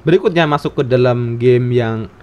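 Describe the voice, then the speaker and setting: A man of middle pitch narrates a scripted tech tutorial over soft background music. He reads each step in a steady, even instructional manner. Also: normal speed, clean tone, lo-fi sound.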